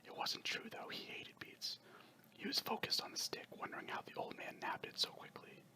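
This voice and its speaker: Someone narrating a story in a breathy, unvoiced ASMR whisper, hushed and scripted. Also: moderate pace.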